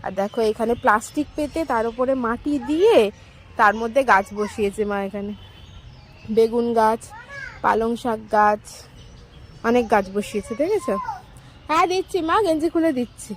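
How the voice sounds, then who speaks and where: A young woman narrating a casual home vlog as a mother, chatty and talking brightly to her toddler between remarks to viewers. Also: on the high side, animated, moderate pace, pauses often. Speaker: mother vlogger.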